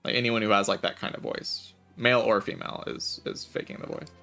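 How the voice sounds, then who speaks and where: A man streaming a game, chatting casually in a relaxed, raspy voice with vocal fry, often saying "like". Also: lowish voice, a little fast, faint music behind. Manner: relaxed, laid-back, chatty with filler "like". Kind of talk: casual chat while gaming.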